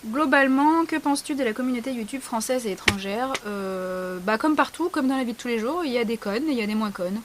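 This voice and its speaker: A woman's voice: fairly high pitch, animated, quick pace, hardly any pauses, slight background noise. A young woman vlogger talking casually and bluntly, sarcastic and frank, with lots of fillers. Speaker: beauty vlogger. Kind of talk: casual vlog answering a question tag.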